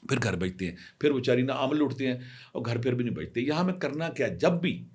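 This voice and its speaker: A man's voice: medium pitch, lively intonation, a little mellow, breathy edge. A middle-aged man from Pakistan, a spiritual healer telling anecdotes and giving emphatic marriage advice straight to women viewers. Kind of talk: storytelling advice talk.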